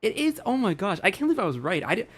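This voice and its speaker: A man streaming a video game, casually reacting and thinking aloud in an excitable, halting way. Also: high voice, slightly rough. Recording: game music behind.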